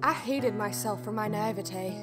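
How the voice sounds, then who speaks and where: A woman playing a young, bitter Little Red Riding Hood survivor in an audio drama, telling her ordeal with deliberate, intense emotion. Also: medium pitch, music in the background, close to an everyday voice. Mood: haunted, regretful. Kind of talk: dramatic first-person audio drama monologue.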